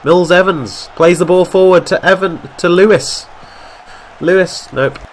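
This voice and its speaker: Bunged up guy with a cold, kinda high voice, doing excited play by play over game highlights. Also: measured pace, background noise. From Wales. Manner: excitable play-by-play, shouts at near misses. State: stuffy nose from a cold. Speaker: gaming YouTuber. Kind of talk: game commentary.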